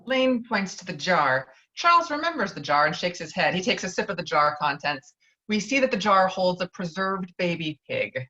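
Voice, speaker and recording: A woman's voice: fairly low pitch, very animated, moderate pace, pushed and bright. A woman narrating stage directions from a screenplay in a table read. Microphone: virtual table read over video call. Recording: dull lo-fi video call audio.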